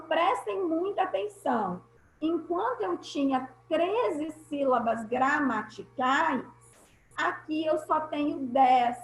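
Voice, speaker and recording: A woman teacher with a Brazilian Portuguese accent, giving an online class over a video call, patient and explaining step by step with repeated key points. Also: sits high. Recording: echoey room.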